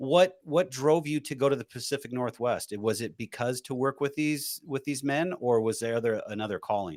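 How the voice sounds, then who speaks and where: A man with an ordinary speaking voice talks at a fairly quick pace with hardly any pauses, his medium pitch showing ordinary variation, on a very clean recording with a silent background and a dry, close sound with no echo. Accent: American. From Southern California. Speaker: podcast host. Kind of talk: interview.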